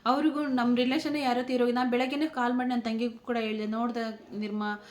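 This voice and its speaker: A woman vlogger speaks in a somewhat high voice, tearful and close to crying. She pleads with her viewers and keeps coming back to the same words. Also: fairly even intonation, fast talker. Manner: pleading, repeating herself, close to tears. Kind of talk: emotional tribute vlog.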